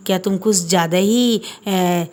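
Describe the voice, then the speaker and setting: A woman voicing a gentle, protective young man who speaks softly and reassuringly in a retold fan story. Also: medium pitch, a little slow, close to an everyday voice. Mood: tender.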